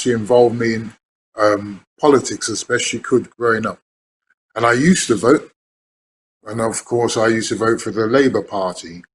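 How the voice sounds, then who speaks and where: A man with a London accent talks at a moderate pace and a medium pitch. His intonation is fairly even. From London, Tottenham. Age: 60s. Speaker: community campaigner. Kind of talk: panel discussion.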